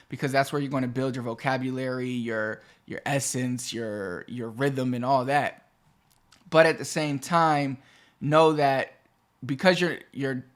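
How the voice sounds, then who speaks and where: A man's voice: mid-range voice, fairly bright tone. A man hosting a Spanish lesson video, explaining in a chatty, digressive way and often restarting phrases. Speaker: Spanish teacher and channel host. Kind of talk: explaining a language lesson to camera.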